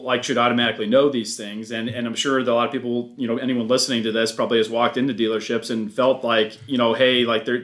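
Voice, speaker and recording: Male podcast co-host, chatty, filler-heavy, mid-pitched and easygoing in speech. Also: a bit bright. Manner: chatty, filler-heavy, quick agreeing interjections. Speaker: podcast co-host at a car dealership. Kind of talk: casual podcast chat.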